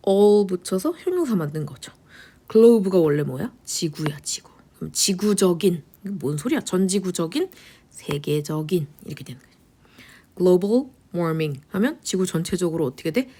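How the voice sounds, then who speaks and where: Woman, English teacher, vocabulary lecture, animated pitch, rhetorical questions, occasional whispers. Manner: explains words with quick rhetorical questions, drops into whispers.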